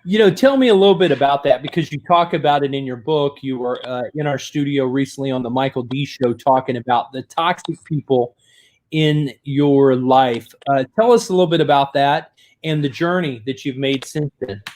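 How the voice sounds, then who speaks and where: A man's voice: mid-range voice, normal speed, a little mellow. A man hosting an author interview, reading an upbeat guest introduction and asking questions. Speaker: interview host.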